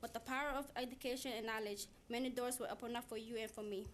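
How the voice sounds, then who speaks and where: A woman's voice: a little high, fairly even intonation, fast, slight background noise. A teenage girl from Somalia, giving an earnest prepared speech as a student speaker, sometimes repeating herself when stuck. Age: teens. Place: city hall chamber.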